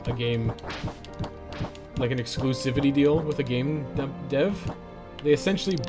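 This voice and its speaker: A man chatting casually and informally, with some swearing, as he livestreams a video game. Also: medium pitch. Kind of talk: casual chat while playing a game. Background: game music.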